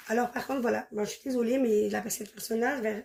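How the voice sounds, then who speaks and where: A woman speaks at a very fast pace. Her pitch is fairly high. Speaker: tarot reader. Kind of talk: tarot reading. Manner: hesitant.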